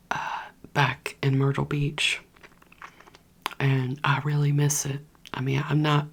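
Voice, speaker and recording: An ASMR creator whispers at home, her breathy, low-sitting voice rambling through chatty gossip aimed straight at her viewers, whom she calls "you guys." A heater hums in the room.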